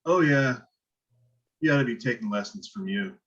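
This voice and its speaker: A man's voice: mid-range voice, animated, moderate pace, a bit bright, natural voice. A man playing a surly, impatient teenage band singer with a curt, irritable manner, in a table read of a film script. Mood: dismissive. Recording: dull lo-fi call audio.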